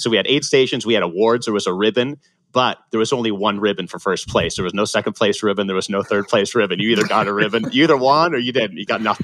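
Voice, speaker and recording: A man speaks at a very fast pace with hardly any pauses. His pitch varies in an ordinary way. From Ohio, US. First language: Spanish. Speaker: cycling tour organizer and triathlete. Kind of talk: casual interview chat.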